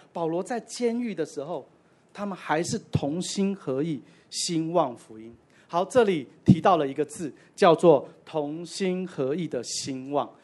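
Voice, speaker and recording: A man's voice: sits high, darkish tone. A man preaching a sermon as pastor, conversational with self-deprecating asides.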